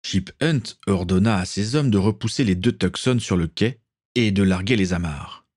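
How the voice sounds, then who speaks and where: A man narrating an audiobook in an expressive, wide-ranging reading, close on the mic. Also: low voice, normal speed, no room sound. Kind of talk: scripted narration.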